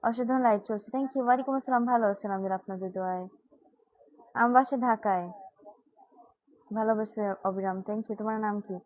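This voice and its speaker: A woman's voice: medium pitch, steady tone, quick pace, pauses often, no room sound, phone-quality sound. A teenage girl from Bangladesh hosting a live stream, chatting casually and answering viewer comments one by one. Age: teens.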